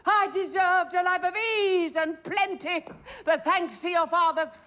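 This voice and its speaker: A woman's voice: very high voice, fairly even intonation, a little slow, sharp tone, exaggerated voice. A haughty, self-pitying mother. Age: middle-aged. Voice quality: haughty, theatrical. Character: snobbish, self-pitying middle-aged mother with grand airs. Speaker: mother in a stage drama.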